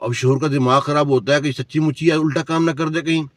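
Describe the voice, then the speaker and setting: A man's voice: fairly high pitch, fairly even intonation, no room sound, clean studio sound. A man telling a cautionary story in a preachy, lecturing way, asking the listener rhetorical questions. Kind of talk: moralizing storytelling.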